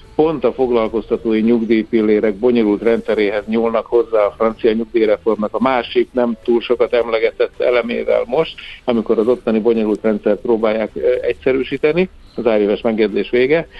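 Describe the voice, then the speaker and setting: Speaking with a plain, everyday voice, a man talks at a medium pitch and a fairly quick pace, with fairly even intonation and very even loudness. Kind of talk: professional discussion of pensions.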